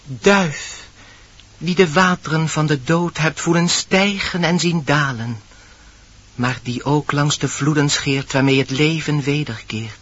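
An actor playing a solemn dwarf with a husky voice, summoning animals in declaimed radio-play verse. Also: male voice, a little high, steady tone, unhurried, fairly bright tone. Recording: dull old radio recording.

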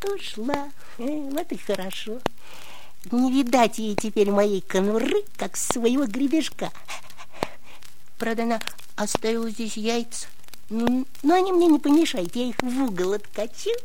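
A young puppy in a cartoon tale. The voice is high and childlike, grumbling and easily flustered yet soft-hearted. There is clear noise behind it. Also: female voice, lively intonation, a little slow. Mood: sulky.

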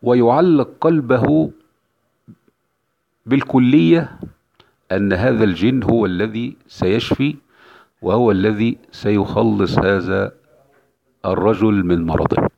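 A male preacher delivers a religious lecture, pressing his points and repeating them for emphasis. His voice sits low with a gravelly edge. The recording sounds dull and lo-fi. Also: unhurried. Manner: emphatic, repeats key phrases. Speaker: Islamic preacher.

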